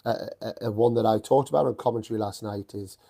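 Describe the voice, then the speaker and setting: A man with a light northeastern English accent talks tennis on a live podcast, eager and chatty, with many "you know"s and "uh"s. His voice sits fairly low and stays flat in pitch, with a mellow, soft tone. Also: fast talker, vocal fry. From northeast England. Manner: enthusiastic storytelling with frequent fillers. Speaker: tennis podcast host and commentator.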